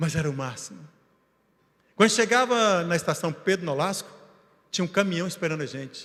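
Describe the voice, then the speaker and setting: A high-pitched male voice, fairly quick, with long and frequent pauses and lively intonation, on a very clean recording with a silent background. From Minas Gerais, Brazil (Baixo Guandu area). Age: 60s. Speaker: preacher. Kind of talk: sermon. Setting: church. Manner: animated.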